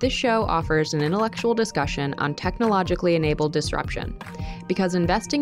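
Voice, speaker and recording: With music in the background, a woman talks at a fairly quick pace and a fairly low pitch. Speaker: podcast host; analyst covering autonomous cars.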